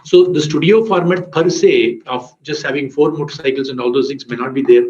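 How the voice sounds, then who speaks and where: A man's voice: mid-range voice, fairly quick, darkish tone. A man speaking as a company executive, answering questions on an earnings call in an explanatory, repetitive way. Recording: muffled, roomy conference call audio.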